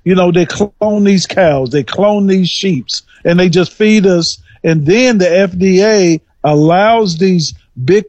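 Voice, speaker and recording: Halting indignant male caller on a phone line. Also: on the high side, darkish tone, no room sound. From United States. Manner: halting, repeats words, indignant. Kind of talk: call-in radio talk. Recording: dull, dry phone line.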